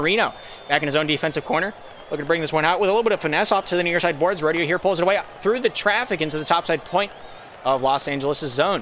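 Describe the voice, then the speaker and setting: Over noticeable background noise, a man speaks very fast in a high pitch with ordinary pitch variation. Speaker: esports hockey play-by-play commentator. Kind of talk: live commentary. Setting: live stream. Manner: stutter.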